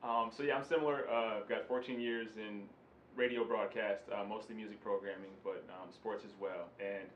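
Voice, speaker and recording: A man's voice: on the low side, fairly even intonation, moderate pace. A man co-hosting a teaching chat, earnest and rambling with lots of ums. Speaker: co-host, former radio broadcaster. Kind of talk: casual instructional chat. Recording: echoey lo-fi room with faint hum.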